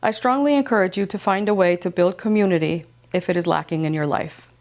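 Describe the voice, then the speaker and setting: Calm woman from Iceland hosting. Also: on the low side, fairly quick. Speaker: podcast host. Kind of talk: scripted reflective narration, then casual chat. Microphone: wireless transmitter mic.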